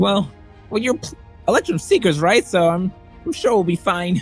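A man does a put-on character voice at a high pitch. Clear music plays in the background. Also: moderate pace. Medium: actual play. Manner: prickly, defensive, confrontational; gruff and dismissive.

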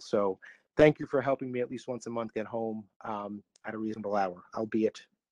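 A man against a quiet background, dry sound with no echo. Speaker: presenter. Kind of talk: meeting report. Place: home room. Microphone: webcam.

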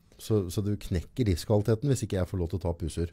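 A man speaks at a fairly quick pace in a very deep, low voice that is dark, mellow and somewhat breathy. His pitch varies in an ordinary way, and the background is quiet. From Norway. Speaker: podcast host. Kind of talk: casual interview. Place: studio. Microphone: studio mic.

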